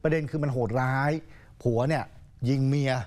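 A man's voice: mid-range voice, fairly even intonation, fairly quick, darkish tone. A man anchoring a news program, telling the story in a casual, chatty way with polite particles.

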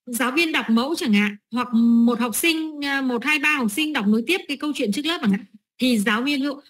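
Middle-aged woman walking teachers through a lesson plan, bit high voice, keeps asking right?. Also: a little fast, a bit bright. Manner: explanatory, many fillers and rhetorical checks. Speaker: teacher trainer. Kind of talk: training talk to teachers.

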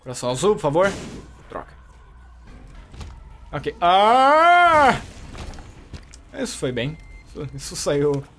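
A man with a Brazilian Portuguese accent commenting on his gameplay in a chatty way, reacting loudly and joking at enemies. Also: a little high, animated, normal speed, pauses often, slightly rough, soft background music. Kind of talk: let's play commentary.

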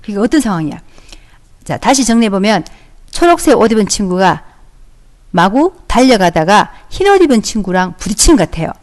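A woman's voice: mid-range voice, sing-song, fairly quick, darkish tone. A woman teaching an audio-only class to young children, talking them through with encouraging questions and acting out their lines. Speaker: elementary school teacher. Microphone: close microphone, audio only.

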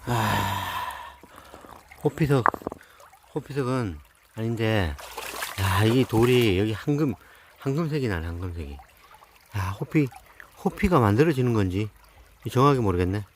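A man's voice: on the low side, lively intonation, a little slow, long pauses, background noise. A middle-aged man talking casually outdoors in a mountain stream, muttering and repeating words as he looks at rocks. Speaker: rock-hunting vlogger.

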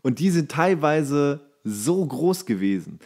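A man co-hosting a podcast in casual, comedic chat, often halting as he searches for words. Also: fairly high pitch, sing-song, a little mellow. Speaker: podcast co-host.

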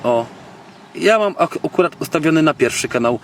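A man's voice: on the high side, expressive. Casual man, distant noisy recording. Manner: colloquial, slangy, halting, thinking aloud. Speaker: video blogger reviewing a gadget. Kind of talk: casual, unscripted product demonstration. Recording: noisy, distant microphone, background clicks.

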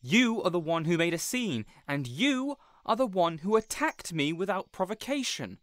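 A man playing a weary, reasonable young supervillain boss in a scripted audio roleplay, hesitant yet measured and exasperated. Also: high voice, big pitch swings, a bit bright, no room sound, studio quality. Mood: exasperated, firm.

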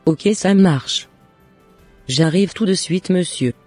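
A woman voicing a gentle, plaintive, devout shopkeeper mother in a Christian cartoon. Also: fairly low pitch, slow, soft background music. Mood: grateful. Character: long-suffering, devout, hard-working shopkeeper mother. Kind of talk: French Christian cartoon dialogue.

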